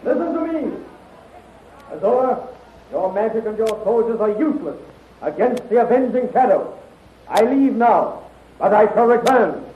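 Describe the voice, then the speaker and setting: An actor playing a bold, defiant space adventurer, firm and declamatory in 1930s radio serial style, on a tinny old recording. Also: male voice, extremely high pitch, lively intonation, normal speed, long pauses, a little hiss or hum.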